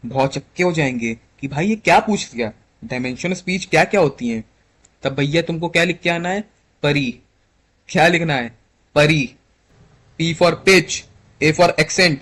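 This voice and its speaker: A young man with an Indian English accent teaching an exam-prep lesson in a casual mix of Hindi and English, reading slide lines slowly and then explaining them in a chatty way. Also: on the high side, a bit bright. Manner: keeps checking in with "clear?" and "ठीक है". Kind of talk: casual Hinglish lecture.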